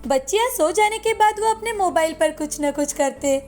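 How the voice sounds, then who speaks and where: A woman narrating an animated moral story in an even, explanatory storybook manner. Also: very high-pitched, normal speed, faint music behind.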